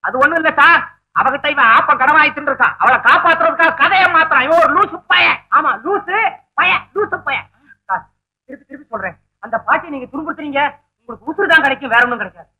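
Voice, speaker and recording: An actor playing a brash young troublemaker in a 1960s film comedy, talking excitedly and bursting into shouts. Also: male voice, very high voice, fast talker, full character voice, low-quality recording. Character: brash cheeky young man, loud comic troublemaker. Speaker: comic young man confessing to a theft.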